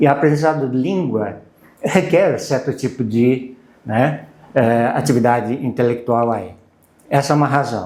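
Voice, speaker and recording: Long, frequent pauses mark a man's fairly slow delivery. His pitch is medium with ordinary variation. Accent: Japanese. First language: Japanese (speaking Portuguese). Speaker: professor. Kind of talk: casual chat. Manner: halting.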